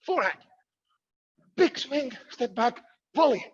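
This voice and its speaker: A man with a high-pitched voice leads a workout as a coach. He gives instructions and short, encouraging commands at an unhurried pace. The sound carries the long echo of a hall. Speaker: squash fitness coach leading a workout. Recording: muffled, echoey hall sound.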